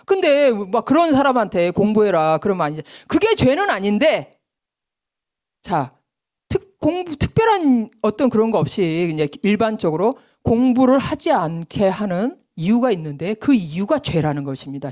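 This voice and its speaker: A woman preacher giving an early morning prayer sermon in a church, often acting out nagging voices of other people as she speaks. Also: mid-range voice. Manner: lively, acts out nagging voices in quotes.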